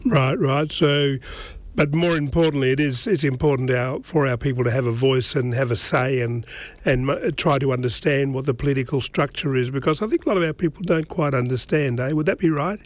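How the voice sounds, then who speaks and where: A man's voice: medium pitch, brisk. A man with an Aboriginal Australian accent hosting a radio show in a casual, conversational, rambling way. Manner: conversational, rambling, tags questions with eh. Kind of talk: casual radio presenting and interviewing.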